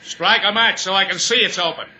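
An actor playing a greedy, mocking American gangster killer, menacing, in a vintage radio crime drama. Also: male voice, high-pitched, fairly quick, bright, forceful tone, slightly rough, heavily acted. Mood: shouting threats. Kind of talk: 1950s radio drama acting. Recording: noisy vintage 1950s radio recording.

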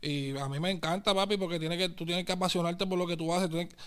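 Fast-talking Puerto Rican man, high voice. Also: smooth. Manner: fast, animated street slang, calls listener papi and brother. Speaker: guest artist. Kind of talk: casual interview chat.

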